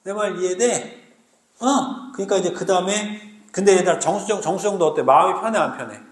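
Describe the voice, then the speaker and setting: A man teaching a Korean literature class live, lively and slangy, often checking whether students understand. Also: sits high, brisk, reverberant, poor audio. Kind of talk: classroom lecture.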